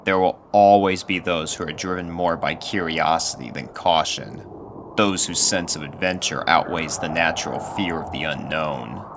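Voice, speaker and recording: A man reading scripted spooky fiction as narrator, in a measured way with dramatic pauses. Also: low voice, noisy background. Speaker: narrator, fan fiction reader.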